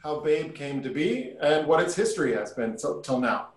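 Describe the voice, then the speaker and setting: A man's voice: fairly high pitch, sing-song, moderate pace. Upbeat man hosting a video call. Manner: upbeat, filler-heavy. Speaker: host. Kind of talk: video call show introduction. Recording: echoey room with music behind.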